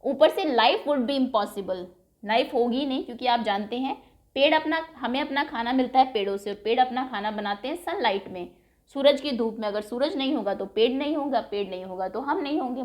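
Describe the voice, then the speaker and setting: A woman teacher explaining an English lesson for young pupils, reading English lines slowly and then explaining them patiently in Hindi, repeating words aloud. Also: fairly high pitch.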